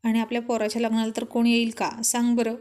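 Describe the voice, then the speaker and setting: A woman voicing a playful, tough young husband who teases his wife lovingly, drawling some lines slowly. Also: on the high side, monotone, darkish tone, natural voice. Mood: teasing. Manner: teasing, boastful, slow drawn-out lines.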